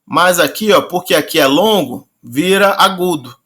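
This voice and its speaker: Male teacher, fairly high and bright voice, patient and repetitive in his explaining. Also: expressive. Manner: patient, repeats and slowly draws out words. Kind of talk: online class lecture.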